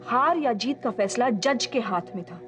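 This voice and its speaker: Indignant, defensive rival in a TV serial, slightly high voice over clear dramatic music. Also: female voice, expressive, unhurried. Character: defensive, indignant woman rival denying accusations. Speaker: actor in a TV serial. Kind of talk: Hindi TV melodrama acting. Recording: TV drama with prominent background music.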